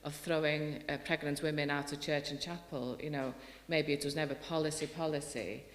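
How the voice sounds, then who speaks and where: A woman's voice: deep voice, steady tone, a little fast, a little hiss or hum. A middle-aged woman poet from Wales with a Welsh accent, giving an earnest festival talk and reading her poetry, often restarting her sentences. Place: hall. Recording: roomy hall reverb.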